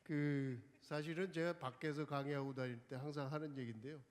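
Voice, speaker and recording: A man's voice: a little high, fairly even intonation, very fast, darkish tone. A man moderating a panel discussion in a conversational style. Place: large conference hall. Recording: long hall reverb.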